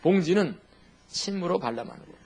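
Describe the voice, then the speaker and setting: A man's voice: high-pitched, lively intonation, a little fast, darkish tone, breathy edge, heavily acted. A male pastor voicing a curt, emphatic man from a joke, speaking with a put-on Gyeongsang dialect accent. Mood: blunt, emphatic.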